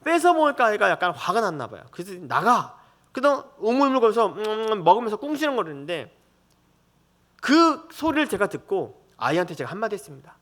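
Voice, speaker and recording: Middle-aged man, pastor; conversational sermon, acts out family voices, high and animated delivery. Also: quick pace.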